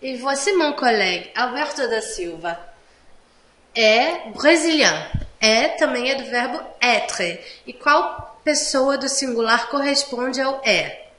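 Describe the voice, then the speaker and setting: Slow patient woman teaching French. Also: a little high, lively intonation, fairly bright tone, echoey room. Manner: mixes Portuguese explanations with French examples. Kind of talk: online language lesson.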